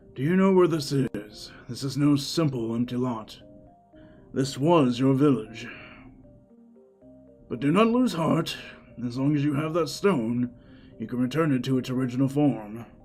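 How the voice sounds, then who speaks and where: Over faint background music, a man does a put-on character voice at a medium pitch and moderate pace, with long, frequent pauses. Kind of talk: video game dub acting. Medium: game stream. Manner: grave, sage-like.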